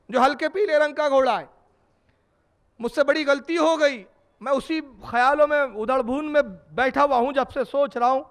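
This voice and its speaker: A man's voice: very high-pitched, fairly bright tone, voice pushed up. A male preacher voicing a scheming, muddled physician in a told story, fretting over his own mistakes. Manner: fretful, excuses himself over and over.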